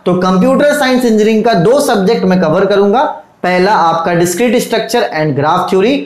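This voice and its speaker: A man's voice: high-pitched, normal speed. Male online tutor, casual and reassuring, repeats key points, echoey room. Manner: reassuring, repeats points, calls students "beta". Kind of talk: casual course introduction. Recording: roomy echo.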